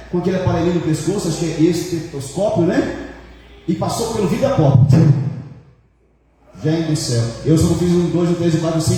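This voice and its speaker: A man, a pastor, telling a personal story in a sermon, animated and repetitive, full of fillers. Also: on the high side, a little hiss or hum. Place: church hall. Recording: echoey church hall, mic far off.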